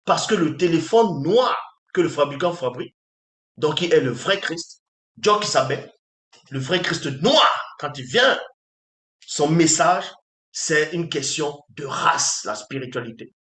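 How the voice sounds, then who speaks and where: A man's voice: fairly high pitch, animated, measured pace, a bit bright. A man preaching a monologue in an emphatic, repetitive way, often firing rhetorical questions at his listeners. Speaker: spiritual teacher. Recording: roomy echo.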